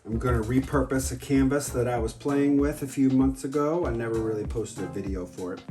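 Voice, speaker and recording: A man who is sick and congested, with a sore throat, hosting a casual painting vlog and talking in a rambling way with frequent ums. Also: medium pitch. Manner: chatty, rambling with ums and laughs. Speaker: acrylic pour painting channel host. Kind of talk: casual tutorial vlog chat. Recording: roomy echo, faint background music.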